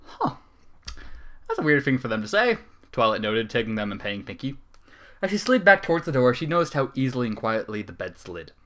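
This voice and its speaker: A man's voice: mid-range voice, sing-song, fairly quick, fairly bright tone. A man reading a comic fan story aloud as a dramatic narrator. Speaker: story reader.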